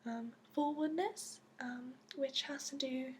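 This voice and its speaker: A woman voicing a gentle, seasoned dragon keeper in a soft, whispery, hesitant ASMR roleplay with a put-on accent. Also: high voice, fairly even intonation, takes it slowly, a little hiss or hum. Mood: gentle, instructive. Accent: put-on, phony. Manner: hesitant, gentle, reassuring, full of ums. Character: gentle, seasoned female dragon-keeper interviewing a new recruit. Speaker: dragon companion interviewer and guide.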